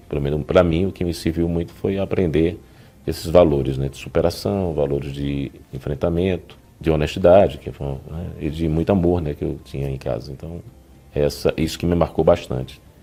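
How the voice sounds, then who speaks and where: With noticeable background noise behind him, a man speaks at a moderate pace in a very deep, low voice with fairly even intonation. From Brazil, Natal (Rio Grande do Norte). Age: 60s. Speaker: labor prosecutor. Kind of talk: oral history interview. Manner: halting, with fillers.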